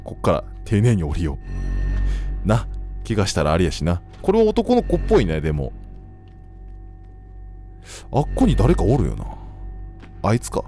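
Young Kansai man, low voice with wide swings, casual let's-play chatter. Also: huge pitch swings, normal speed, long pauses. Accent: Kansai Japanese. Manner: joking, talks to the game characters, sudden shouts. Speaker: gameplay commentator. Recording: faint game music behind.

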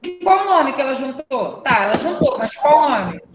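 Brisk high-voiced Brazilian teacher, echoey room. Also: female voice, very animated, over music. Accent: Brazilian Portuguese. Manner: brisk, questioning, calls pupils by name. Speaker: primary school teacher. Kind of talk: online class with pupils. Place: classroom.

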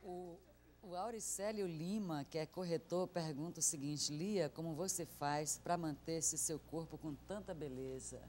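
Middle-aged woman, slightly low pitch, conversational interviewer, lapel mic, faint hall noise. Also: a little slow. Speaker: interviewer, journalist. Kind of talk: conversational interviewing, reading audience questions. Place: stage before a seated audience. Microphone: lapel microphone.

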